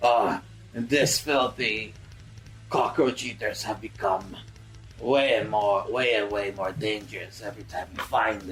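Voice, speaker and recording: Over clear background noise, a man puts on a character voice, fairly low in pitch, at a fairly slow pace. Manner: contemptuous.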